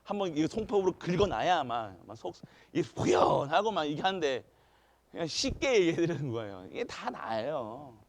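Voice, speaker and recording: A man preaching an early-morning church sermon, throwing rhetorical questions to the congregation and swinging between loud emphasis and hushed asides. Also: fairly high pitch, big pitch swings, normal speed. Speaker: pastor. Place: church sanctuary.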